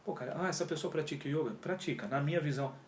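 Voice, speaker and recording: A fast-talking man from São Paulo, Brazil, in his 40s, with a voice on the high side. He's a yoga teacher appearing as a guest in a casual interview, telling stories animatedly, acting out his own past conversations and using heavy slang. The room is echoey with faint ambience.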